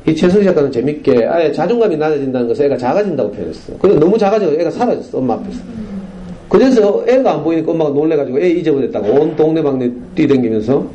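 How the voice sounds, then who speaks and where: 경상도 억양의 중년 남성이 학교 강당에서 학부모들에게 청중에게 질문을 던지며 생생하게 이야기를 풀어내는 강연을 합니다. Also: male voice, fairly high pitch, very fast, a little hiss or hum, rough recording. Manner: animated storytelling, rhetorical questions to the audience. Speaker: parenting lecturer. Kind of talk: lively lecture to parents. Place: school lecture hall.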